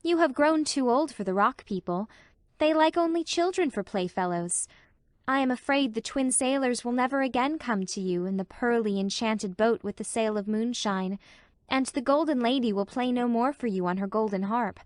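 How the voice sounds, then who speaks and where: A woman voicing a gentle, fanciful young woman teacher in an audiobook. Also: a little high, moderate pace, no echo, clean studio sound, lightly acted. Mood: wistful. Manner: gentle, fanciful, softly wistful.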